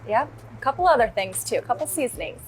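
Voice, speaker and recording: A woman's voice: a little high, expressive, fast, a crowd in the background. Friendly woman describing diner dishes. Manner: brief, friendly, laughs often. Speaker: restaurant staff. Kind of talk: casual chat.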